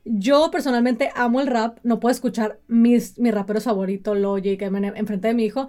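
Woman in her 30s, podcast co-host, lively, acts out quotes, slightly high voice. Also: fairly quick. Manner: animated, acts out quoted parents in a mocking voice. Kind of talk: casual chat.

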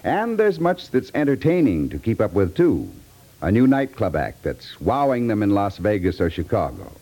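A man reading a scripted promotional announcement as a 1950s network radio announcer, polished and measured. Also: lowish voice, sing-song, mellow.

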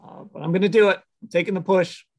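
A man hosting a casual sports podcast, thinking out loud as he makes his picks and laughing easily. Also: sits high, steady tone, quick pace. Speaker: podcast host.

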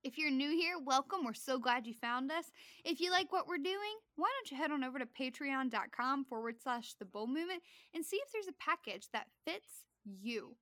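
A woman's voice: high-pitched, expressive, moderate pace, pushed and bright, no echo, studio quality. A woman co-hosting a Bible study podcast, chatting casually and laughing easily. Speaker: podcast co-host.

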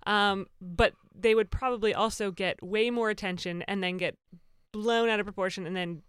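A woman co-hosting a panel discussion, chatty and lively, quick to joke. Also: medium pitch, clear, resonant tone, no echo, studio quality.

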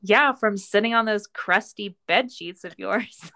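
A woman doing a mock dramatic reading as a snippy, aggrieved male yacht steward, deliberate and mock-serious. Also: mid-range voice, sharp tone.

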